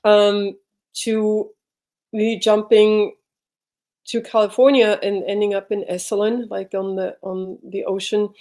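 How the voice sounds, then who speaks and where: A middle-aged woman speaks as a podcast guest, her voice warm and mellow at an ordinary pitch. She tells her story in a reflective, halting way, pausing and circling back as she hunts for the right words. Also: level tone. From Switzerland. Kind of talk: personal storytelling in an interview.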